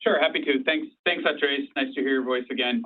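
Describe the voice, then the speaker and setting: Even-toned male executive, phone-like sound. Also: mid-range voice, brisk. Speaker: company executive on an earnings call. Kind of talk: informal explanatory answer to analysts. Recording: tinny narrow phone line.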